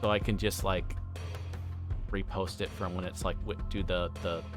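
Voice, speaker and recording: A man with a fairly low voice talks on a game livestream, halting and tripping over words as he goes. Soft music plays behind him. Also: little pitch movement. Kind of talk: reading a visual novel aloud and chatting with stream viewers.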